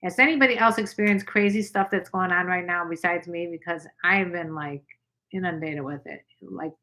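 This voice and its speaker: Older woman host, chatty and rambling, bright voice. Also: on the low side. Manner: chatty, rambling, quick asides. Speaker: channel host. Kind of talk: casual livestream chat.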